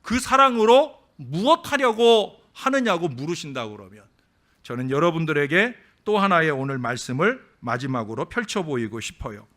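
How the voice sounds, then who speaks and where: A male pastor preaching a sermon in a church, swinging between loud emphatic lines and quiet asides, and telling anecdotes with acted-out voices. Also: on the high side, expressive, normal speed. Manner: tells jokes as anecdotes, acting out the speakers. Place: church sanctuary.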